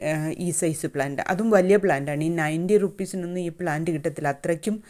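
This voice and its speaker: A woman hosts a casual vlog about selling her plants. Her voice sits low, and she talks in a plain, chatty way with many fillers. She often stops and restarts as she shows each plant. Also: fast talker, darkish tone. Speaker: home plant seller.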